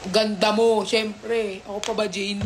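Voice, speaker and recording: A woman's voice: medium pitch, little pitch movement, unhurried, a little hiss or hum, poor audio. Playful woman chatting to her dogs. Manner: playful scolding, baby-talk to pets. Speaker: live stream host with her dogs. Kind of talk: casual live stream chat.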